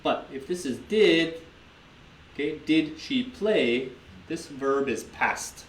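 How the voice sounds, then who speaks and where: Homem americano, professor de inglês, explica gramática com paciência, sala com eco, leve ruído. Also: male voice, a little high, lively intonation, slow. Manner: patient, repeats key points with many "okay?" checks. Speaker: English teacher. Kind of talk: explaining grammar at a board. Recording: echoey room with faint noise.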